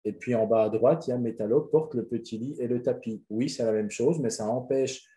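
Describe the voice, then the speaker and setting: A man's voice: medium pitch, a little fast, dark tone. A man presenting a webinar on a reading method, explaining in a loose, hesitant way with many fillers and restarts.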